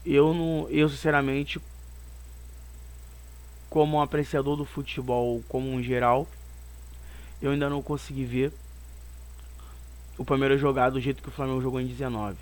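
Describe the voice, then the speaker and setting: Man, Brazilian Portuguese accent, hoarse from a cold, middle-pitched, rambling football commentary, home recording. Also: flat delivery, moderate pace, pauses often. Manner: rambling and opinionated, circles back on his points. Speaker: football channel host.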